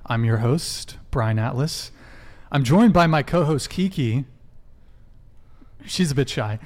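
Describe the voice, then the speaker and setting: A man's voice: mid-range voice, animated, slow, darkish tone. A man hosting a live podcast, rattling off announcements in a brash, joking manner from a studio table. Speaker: podcast host.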